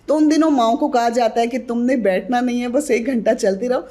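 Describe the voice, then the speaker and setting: Warm-voiced woman giving baby-care advice. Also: on the high side. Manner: earnest, advising, speaks directly to mothers. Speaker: guest advising on baby care. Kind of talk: podcast interview.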